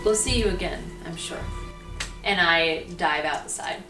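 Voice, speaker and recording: A woman's voice: lowish voice, a little slow. A woman talking casually as a player in a tabletop fantasy game. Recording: roomy, slightly distant, music behind.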